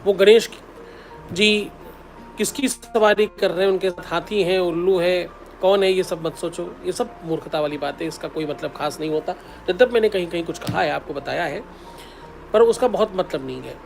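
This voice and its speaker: A man's voice: high voice, normal speed, creaky, faint music behind. A man, a spiritual teacher, giving devotional advice in an instructive way, repeating the key steps and intoning mantras.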